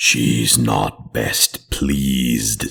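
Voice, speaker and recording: A man's put-on character voice, whispering, growling and mumbling. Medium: read story. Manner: mumbling, mournful.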